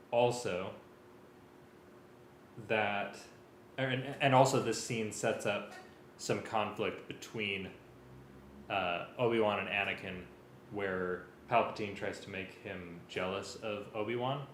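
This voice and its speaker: Thinking aloud as he works, a music arranger getting ready for a live table read talks slowly and hesitantly, pausing often and now and then reading from a script. His lowish voice has a fairly bright tone and fairly even intonation, recorded in an echoey room with a bit of background noise.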